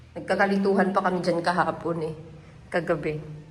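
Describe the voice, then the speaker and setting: Audible room echo surrounds a woman's voice. Her pitch is fairly low, with ordinary variation. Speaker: vlogger. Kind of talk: casual vlog. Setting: at home, rooftop.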